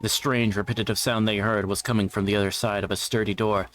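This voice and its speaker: Low-voiced man narrating a visual novel. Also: level tone, fast talker, fairly bright tone. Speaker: livestreamer reading a visual novel aloud. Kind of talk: dramatic read-aloud narration of a game script.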